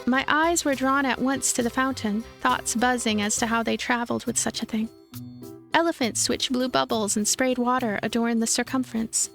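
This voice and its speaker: A woman's voice: a little high, fairly even intonation, normal speed, creaky, fairly bright tone, faint music behind. A woman streamer reading a visual novel aloud as narration, with casual asides. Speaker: let's play streamer.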